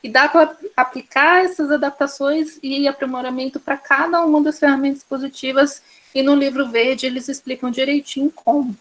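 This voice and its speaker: High-voiced Brazilian woman teaching. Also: steady tone, moderate pace. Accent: Brazilian Portuguese. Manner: explains by listing examples one after another. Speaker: course instructor. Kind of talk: online course lecture.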